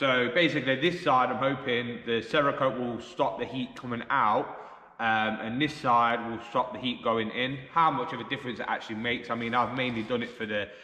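With audible room echo around him, a man speaks at a fairly quick pace. His intonation stays fairly even. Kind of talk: casual vlog update. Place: workshop. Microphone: camera far.

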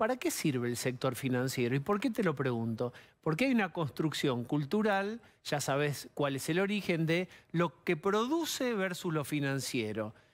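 A man's fairly high voice at a moderate pace, with very wide pitch swings but very even loudness. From Argentina. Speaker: tv host; guest. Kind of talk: casual chat. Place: studio.

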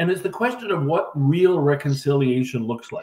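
Somewhat breathy delivery from a man with a fairly high voice, a Canadian accent and a moderate pace. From Canada. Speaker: think tank policy fellow and moderator. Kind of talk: panel discussion. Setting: video call. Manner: halting. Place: home room. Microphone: webcam.

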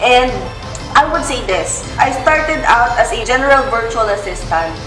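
With clear music in the background, a woman speaks with lively intonation. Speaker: virtual assistant. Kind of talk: casual Q&A talk to camera. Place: home room. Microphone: webcam.

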